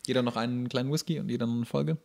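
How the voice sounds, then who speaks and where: A man's voice: mid-range voice, fairly even intonation, racing, vocal fry, dark tone. A young man chatting casually as a podcast co-host, commenting on a show with joking, sarcastic remarks. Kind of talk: casual chat and commentary while watching a show.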